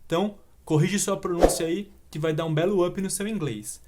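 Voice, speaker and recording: A young Brazilian man with a Brazilian Portuguese accent, giving an online English lesson and slowing down for the English examples. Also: sits high, noisy background. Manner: animated explaining, slows down for English examples. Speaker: English teacher.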